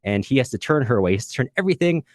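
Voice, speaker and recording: A man's voice: medium pitch, animated, very fast, darkish tone, no room sound, studio quality. A man speaking as a podcast co-host in an unscripted literary discussion, earnest and discursive, often correcting himself as he goes.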